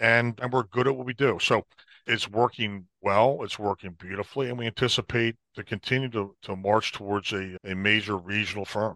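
With an American accent, a man talks at a moderate pace in a fairly low voice with fairly even intonation, the sound dry and close with no echo against a quiet background. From US, Baltimore. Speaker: lawyer and law firm owner. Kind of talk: interview.

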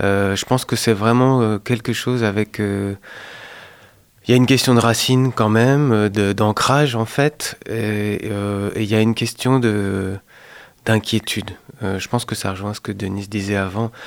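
An unremarkable speaking voice from a man, fairly low in pitch, fairly slow, with fairly even intonation. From Anjou, western France. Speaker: poet. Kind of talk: interview. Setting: radio studio.

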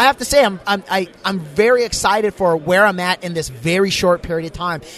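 A man speaks in an animated tone at a fairly quick pace. Noticeable background noise is present. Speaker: podcaster. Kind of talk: casual interview. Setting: live event. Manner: high-energy, animated.

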